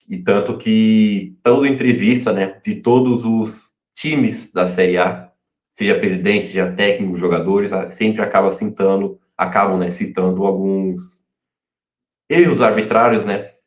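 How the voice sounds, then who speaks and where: A man giving casual pre-match football talk, halting, full of fillers and restarts. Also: on the low side, a little mellow. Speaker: fan channel pundit. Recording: echoey room, dull lo-fi sound.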